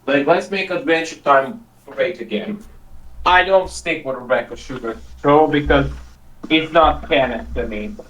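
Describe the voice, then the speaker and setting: A man chatting casually on a call with an unhurried, halting delivery. He drags out his phrases and breaks into laughter between them. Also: on the high side, fairly bright tone, low-quality recording. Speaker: guest on a call. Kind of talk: casual chat.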